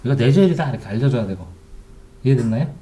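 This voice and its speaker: A man's voice: mid-range voice, expressive, quick pace, background noise. A middle-aged man tutoring Korean literature online, explaining terms and quizzing his students with repeated questions. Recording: echoey room, keyboard typing behind.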